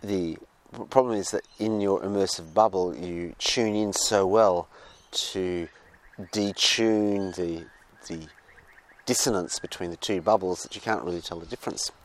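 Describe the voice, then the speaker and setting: A man with an Australian accent talks through his thoughts in a casual, meandering monologue. His voice sits very low, and he often stops and restarts his phrases. He is recorded outdoors. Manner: halting and digressive, restarting phrases. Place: outdoors with birds nearby.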